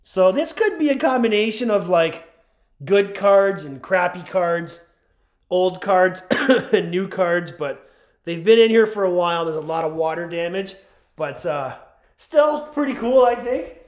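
This urban explorer vlogger, a forties-aged man with a runny nose, speaks in a high, expressive voice a little slowly as he wanders an abandoned, empty house with a handheld camera. His walkthrough narration is chatty, constantly addressing viewers as "guys."

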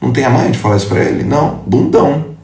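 A man's voice: medium pitch, lively intonation, fast talker, darkish tone. A man giving a live motivational talk, blunt and profane, confronting his listeners with emphatic, punchy lines. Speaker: motivational speaker. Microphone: live stream. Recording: echoey room.

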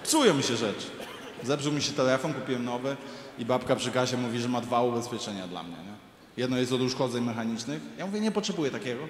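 A man's voice: mid-range voice, quick pace, a little hiss or hum. A man performing stand-up comedy, telling a profane story and acting out the people in it. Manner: animated, profane, acts out quoted people. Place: large arena stage. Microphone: handheld stage mic. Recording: echoey arena, crowd ambience. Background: audience laughter.

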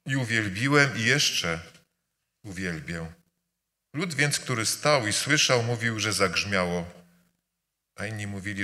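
A man preaching a sermon during a church service, speaking emphatically with rhetorical repetition, rising to loud calls and dropping to quiet, intimate lines. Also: on the low side. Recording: reverberant church hall.

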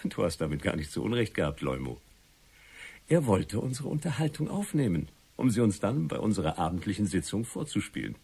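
A confident crime writer in a radio drama. The voice is low and husky, with lively swings of pitch. He sets out his theories in a deliberate, theatrical way. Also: heavily acted. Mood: assured, explanatory. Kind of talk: German radio play acting.

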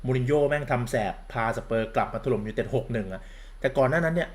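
A man's voice: mid-range voice, brisk. A campy man gives a sarcastic, crude-mouthed football commentary rant, calling himself big sister. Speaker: football vlogger.

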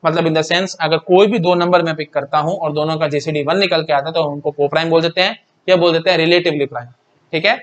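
A man's voice: fairly high pitch, fairly even intonation, fairly quick. A young Indian man teaching an exam-prep math lecture in mixed Hindi and English, chatty and repetitive, often asking and answering his own questions.

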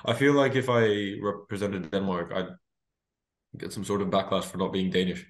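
Teen guy on an echoey video call. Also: sits low. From Greece. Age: teens. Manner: animated, quick, full of restarts and laughter. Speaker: guest singer. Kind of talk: casual video-call interview. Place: small room indoors.

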